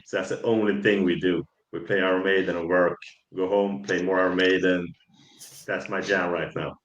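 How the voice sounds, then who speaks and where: Man, lowish pitch, casual musician chat, roomy echoing recording. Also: flat delivery, normal speed, lo-fi sound. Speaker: band musician being interviewed. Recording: echoey, roomy sound.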